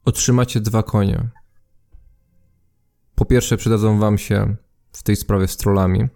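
A man's voice: fairly low pitch, fairly even intonation, unhurried, vocal fry, warm tone. A man playing a curt, businesslike male commander giving orders in a tabletop role-play.

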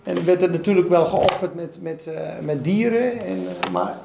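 A man preaching informally to a group, quoting scripture in a relaxed, conversational way with plenty of fillers and restarts. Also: on the high side, moderate pace, gravelly. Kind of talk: informal Bible teaching to a group. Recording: echoey room with faint noise.

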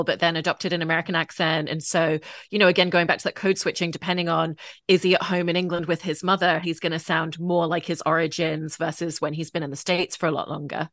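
Dry, low-voiced woman moderating. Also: a bit bright, no echo. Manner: long, winding questions with fillers. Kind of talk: Q&A interview questions.

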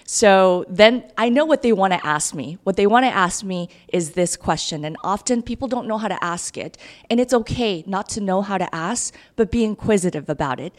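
A woman's voice: mid-range voice, expressive, normal speed. A woman, raised in Kansas, telling her story in an upbeat, earnest way as a podcast guest. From Guatemala. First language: Spanish. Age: 30s. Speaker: mayoral candidate, podcast guest. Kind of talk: podcast interview.

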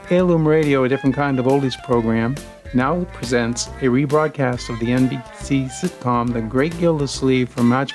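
A man hosting a podcast, giving a measured, formal scripted introduction to old-time radio. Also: mid-range voice. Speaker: podcast host. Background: soft guitar music.

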